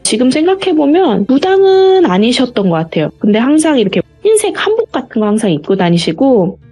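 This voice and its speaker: A woman's voice: high-pitched, very animated, brisk, dark tone, faint music behind. A woman guest in an interview, retelling a personal story earnestly and vividly.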